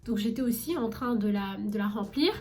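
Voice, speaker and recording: A young woman recounting a story in a casual vlog, chatty and animated, talking straight to her viewers. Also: medium pitch, moderate pace, faint music behind. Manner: chatty and animated, addresses viewers directly with many fillers. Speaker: vlogger recounting her job as a shop saleswoman.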